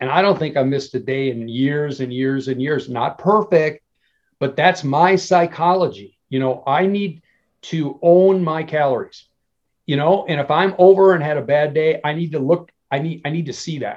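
A man speaks in a normal speaking voice. His pace is moderate. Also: fairly high pitch for a man, ordinary pitch variation. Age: 60s. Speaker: psychology professor. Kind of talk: interview.

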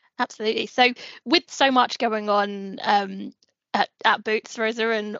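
Ordinary pitch variation from a woman with a fairly high voice, at a moderate pace. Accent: English. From England. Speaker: podcast host, inclusion consultant. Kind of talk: podcast interview; scripted intro.

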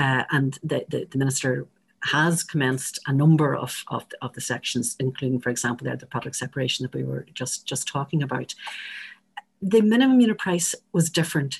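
Speaking in a Northern Irish accent, a woman talks at a fairly quick pace. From Northern Ireland. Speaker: chief executive of alcohol advocacy charity. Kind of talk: interview. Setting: remote podcast recording. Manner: halting.

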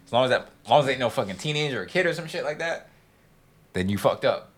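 This man speaks at a very fast pace with a medium pitch. His voice makes very wide pitch swings. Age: 30s. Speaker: comedy podcast host and restaurant server. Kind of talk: casual chat.

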